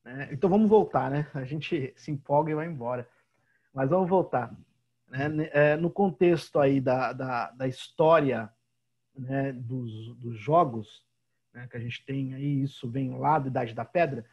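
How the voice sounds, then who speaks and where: A man's voice: medium pitch, a little slow, husky. A man with a Brazilian Portuguese accent teaching an online class, chatty and constantly checking in with his students. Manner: chatty, keeps asking "né?". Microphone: video call. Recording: dull lo-fi video call audio.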